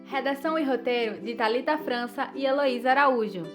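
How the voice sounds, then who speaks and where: A woman's voice: sits high, brisk. A Brazilian woman presenting a podcast in scripted narration. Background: background music.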